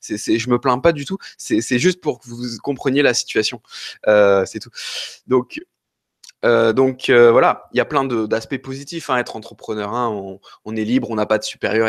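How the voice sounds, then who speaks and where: A man's voice: medium pitch, moderate pace, no room sound, studio quality. A man from France hosting a live question-and-answer stream, talking in a rambling, hesitant and apologetic way while a little ill with an occasional cough. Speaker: host answering viewer questions.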